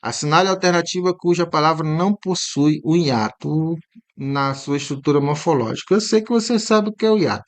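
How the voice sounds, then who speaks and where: A man teaching an exam-prep lesson with a somewhat raised voice. He talks in a chatty, emphatic way, keeps checking in with the viewer with little tag questions, and says key words slowly and more than once to show how they sound. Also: a little high.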